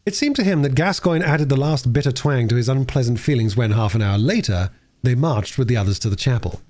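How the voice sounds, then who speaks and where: A man reads a classic novel aloud as an audiobook narrator. His voice sits at a middle pitch and moves freely up and down, giving the prose plenty of expression. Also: lively intonation, a little fast, darkish tone. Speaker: audiobook reader and livestreamer.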